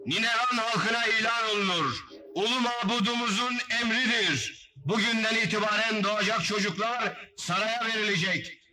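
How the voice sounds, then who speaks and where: An actor playing a palace town crier, proclaiming a decree in drawn-out public calls in an old historical film. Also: male voice, high voice, sharp tone. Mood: stern proclaiming. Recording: old film soundtrack, distant voice.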